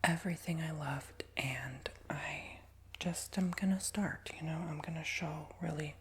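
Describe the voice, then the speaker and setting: A man in his twenties with a nasal, raspy voice, giving a soft, rambling ASMR whisper with many fillers. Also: fairly high pitch, a little slow, noisy background. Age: 20s. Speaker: ASMR creator.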